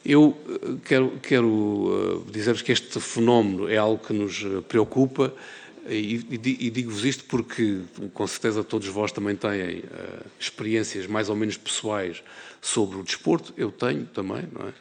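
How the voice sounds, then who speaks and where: A middle-aged man from the Algarve with a European Portuguese accent, giving a formal address at a parliamentary hearing, measured and full of hesitations. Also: on the low side, creaky, long reverb tail. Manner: measured, with many filler "eh"s and restarts. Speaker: member of parliament chairing a hearing. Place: parliament committee room.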